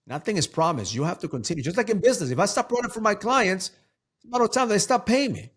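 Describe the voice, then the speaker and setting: A man's voice: high-pitched, lively intonation, fast talker, a bit bright, breathy edge. A man talking as a guest coach in a casual interview, emphatic and preachy, often repeating words for stress.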